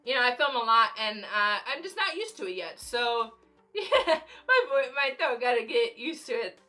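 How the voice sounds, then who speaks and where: Chatty young woman, slightly hoarse. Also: fairly high pitch, normal speed, soft background music. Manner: rambling, animated fangirl talk with frequent fillers and laughs. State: losing her voice, slightly hoarse. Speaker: YouTuber. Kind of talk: casual vlog commentary.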